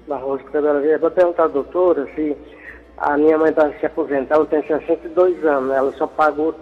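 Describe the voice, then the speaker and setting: A man calling in to a radio show over the phone, halting and restarting his sentences. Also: a little high, steady tone. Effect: voice heard over a phone line. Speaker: caller. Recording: dull echoey phone line.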